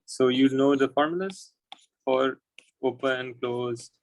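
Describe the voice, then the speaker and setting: A man's voice: medium pitch, takes it slowly, poor audio. A man with a South Asian accent tutoring physics, working through exam questions aloud in short, informal phrases as he thinks.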